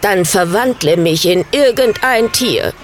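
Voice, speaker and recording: A woman voicing a greedy, threatening male black bird in a storybook, slow and croaking. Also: mid-range voice, expressive, faint music behind, lightly acted. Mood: menacing.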